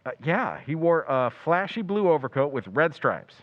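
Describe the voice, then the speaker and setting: A man plays a grumbling, wisecracking press photographer in an old-time radio drama. He swings widely in pitch, mixing slang with mock-grand phrases. The sound is slightly muffled. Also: sing-song, normal speed. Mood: grumbling, brisk.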